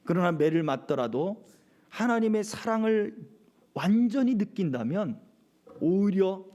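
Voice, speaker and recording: A man's voice: high voice, very animated, unhurried, warm tone. A middle-aged male pastor preaching a sermon at a church service, often asking the congregation rhetorical questions.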